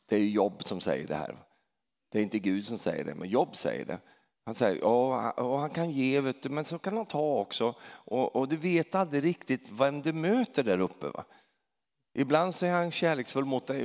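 A middle-aged man giving a sermon like a story told to friends, tagging "va?" onto his sentences and stumbling through restarts before climbing to loud, emphatic peaks. His pitch swings widely from low mutters to high exclamations. His voice carries the long reverb of a large hall. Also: vocal fry. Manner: conversational storytelling, tags lines with a questioning "va?". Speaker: preacher.

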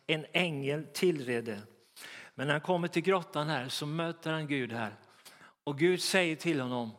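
A man preaching a sermon in a fervent manner, rising to loud exclamations. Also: on the high side. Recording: reverberant hall.

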